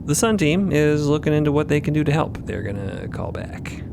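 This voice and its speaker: A man narrating a fiction podcast theatrically, with conversational asides and dramatic, drawn-out phrasing. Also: sing-song, vocal fry. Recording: loud ambient rumble behind voice.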